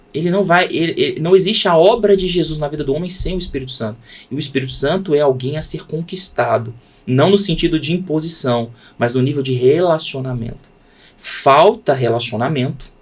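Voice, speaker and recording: A man, a pastor, talking in a podcast conversation with a preaching cadence that swings from loud emphasis to hushed tones. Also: fairly high pitch.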